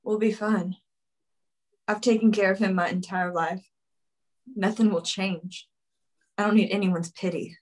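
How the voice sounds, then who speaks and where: A woman's voice: medium pitch, steady tone, unhurried, long pauses, a little mellow, natural voice. A woman reading the part of a tough, grieving young woman, guarded and defiant, at a script table read.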